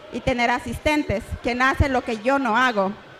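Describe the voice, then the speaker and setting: A woman with a Latin American accent speaks at a fairly quick pace in a high voice with ordinary pitch variation, music playing in the background. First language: Spanish. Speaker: real estate investor, panelist. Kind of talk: panel discussion.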